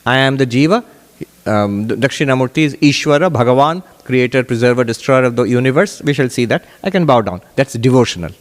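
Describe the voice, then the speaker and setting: A man teaching as a Hindu monk, answering questions in a deliberate, emphatic way with repeated phrases. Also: medium pitch, expressive. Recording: echoey hall with long reverb.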